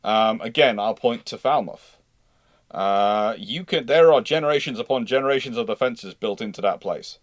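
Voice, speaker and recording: A man's voice: medium pitch, moderate pace, no echo, clean studio sound. A man hosting a live history question-and-answer discussion, rambling and often restating himself mid-sentence. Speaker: host of a live naval history Q&A.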